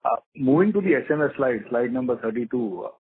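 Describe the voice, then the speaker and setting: Man, husky mid-range voice, insistent analyst caller, brisk questioning, narrow telephone band. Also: medium pitch, lively intonation. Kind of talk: question and answer on earnings call. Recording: muffled narrow phone line.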